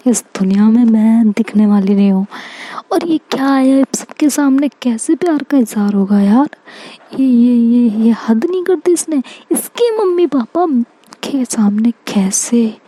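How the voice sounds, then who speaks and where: A woman's voice: normal speed, dark tone, natural voice, low-quality recording. A woman voicing an embarrassed young woman in love who frets and pleads in a raised voice. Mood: fretful. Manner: pleading, fretful, higher-pitched.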